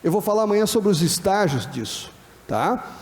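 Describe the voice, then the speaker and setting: A high-pitched man with a Brazilian Portuguese accent gives a class as a pastor. He talks in a relaxed, conversational way and keeps checking that the audience is following. His voice carries a long reverb from a lecture hall. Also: normal speed. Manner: acts out quoted dialogue in other voices. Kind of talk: classroom lecture on church and disability.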